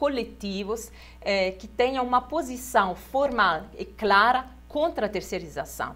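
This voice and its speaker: A woman talks at a very slow pace in an Italian accent. Her pitch variation is ordinary. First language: Italian (speaking Portuguese). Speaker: law professor. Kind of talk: TV interview. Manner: hesitant, many filler sounds.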